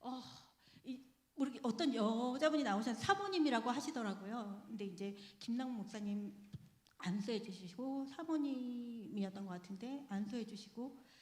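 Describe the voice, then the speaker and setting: A woman's voice: fairly high pitch, moderate pace. Woman telling her story in a reverberant sanctuary. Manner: lively storytelling, laughing between phrases. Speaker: church member giving testimony. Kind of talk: personal testimony in church. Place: church sanctuary. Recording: echoey sanctuary with long reverb.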